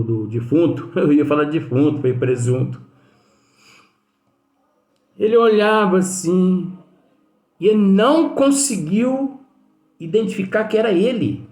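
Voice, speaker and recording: A man with a high, slightly mellow voice leads a spiritist study lesson in a conversational, chatty way. He tells anecdotes and keeps ending his sentences with tag questions to his listeners. The room is echoey, with faint music behind him.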